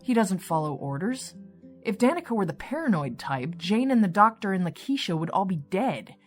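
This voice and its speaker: An actress playing a candid, businesslike senior law enforcement chief in an audio drama. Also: female voice, medium pitch, very animated, moderate pace, soft background music. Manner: businesslike, frank.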